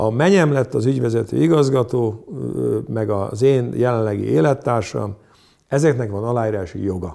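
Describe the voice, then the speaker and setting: Dark and mellow in tone, a man speaks at a medium pitch. His intonation is lively and his pace moderate. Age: 60s. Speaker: veterinarian and mayor. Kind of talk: interview. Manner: halting.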